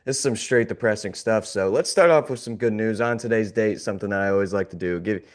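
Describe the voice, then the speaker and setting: Speaking fast in a fairly low voice, this sports podcast host is still getting over an illness, and it shows in his voice. His casual talk is glum and wry, sarcastic but laughing off the gloom.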